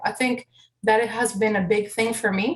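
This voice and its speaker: Fairly high-pitched and fairly slow, a woman speaks with a Spanish accent. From Venezuela. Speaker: immigrant interviewee. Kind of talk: interview.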